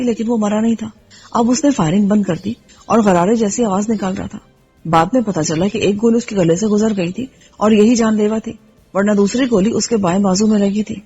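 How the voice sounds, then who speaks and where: A woman reading a first-person action novel aloud in steady storytelling narration. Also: mid-range voice, breathy edge. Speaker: audiobook narrator. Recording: slightly dull with faint music.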